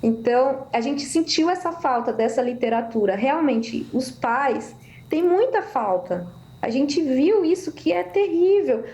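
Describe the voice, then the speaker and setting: A woman speaking as a guest author in a casual chat, telling stories in an animated way over a video call. The sound comes from an echoey room. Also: sits high, a little slow. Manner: animated storytelling.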